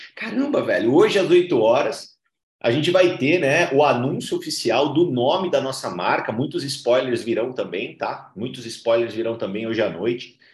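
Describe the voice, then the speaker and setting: Fairly high-pitched and somewhat breathy, a man speaks with lively intonation. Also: moderate pace. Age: 30s. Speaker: network marketing trainer. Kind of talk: live stream motivational talk. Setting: live stream with chat. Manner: animated.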